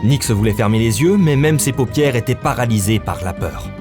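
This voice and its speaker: A man's voice: medium pitch, lively intonation, normal speed. A male narrator with a mid-range voice tells a scripted adventure story in a dramatic style. Faint music plays underneath him.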